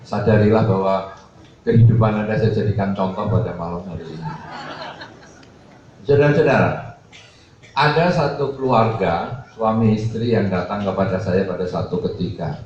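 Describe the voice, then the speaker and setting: A man's voice: moderate pace, a little mellow, a little hiss or hum. A man preaching a Buddhist sermon, telling a story and acting out the dialogue with a playful, joking manner. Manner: storytelling, acts out dialogue with varied pitch, jokey. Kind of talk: sermon with anecdotes. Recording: echoey hall, distant mic, dull sound.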